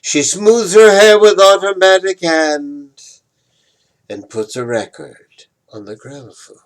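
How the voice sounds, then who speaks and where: An older man giving a dramatic, deliberate poetry recitation, moving between emphatic swells and hushed drops. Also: sits high. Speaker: poetry reader, retired professor.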